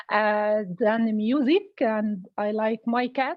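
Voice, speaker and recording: The speech moves at a very slow pace. It carries an Arabic accent. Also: woman. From Upper Egypt. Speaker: museum professional and archaeologist. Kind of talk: interview. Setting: video call.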